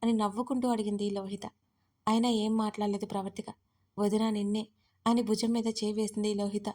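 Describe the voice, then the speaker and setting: A woman narrating a romance audio story in a steady storytelling way. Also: medium pitch, fast talker.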